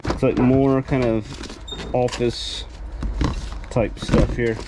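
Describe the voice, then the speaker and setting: A man's voice: medium pitch, flat delivery, slow. Easygoing man thinking aloud, noisy background. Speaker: storage auction reseller. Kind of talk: casual unboxing commentary. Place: inside a storage container outdoors. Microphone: body-worn camera. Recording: noisy handheld outdoor recording.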